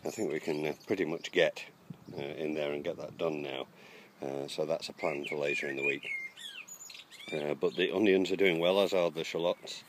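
Over a noisy background, a bass voice with a steady tone narrates the allotment walk at a moderate pace. He's casual and hesitant, with many ums and uhs, on handheld outdoor footage.

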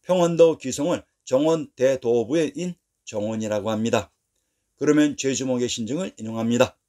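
A man narrating a scripted history lesson, reading dates and place names in a steady, measured way. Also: medium pitch.

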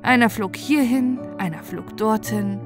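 A woman's voice: a little high, unhurried. A woman storyteller reading a scripted fairy-tale narration. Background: background music.

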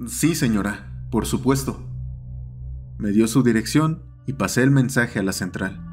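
A man's voice: medium pitch, unhurried. Male horror narrator over music. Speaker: narrator, playing an emergency dispatcher. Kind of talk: scripted first-person horror narration. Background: dark ambient music.

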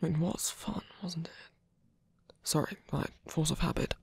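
A man playing a tender, teasing villain in an intimate ASMR roleplay, breathy and hesitant, often dropping to a whisper. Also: on the high side, fairly even intonation, no echo, heavily acted. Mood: confessional, hesitant. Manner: hesitant, halting, soft-spoken. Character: male villain, tender, teasing, smitten with rescuer. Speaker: voice actor.

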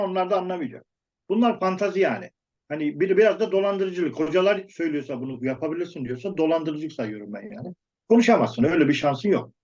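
A man's voice: on the high side, darkish tone. A man giving blunt, emphatic advice about learning English in a casual discussion, often breaking off and restarting his words. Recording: dull lo-fi sound.

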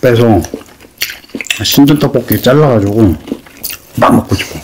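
A man's voice: mid-range voice, a little slow, background noise. A young man chatting casually while eating, talking with his mouth full and chewing between words. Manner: casual, mumbled between bites. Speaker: mukbang vlogger, younger brother.

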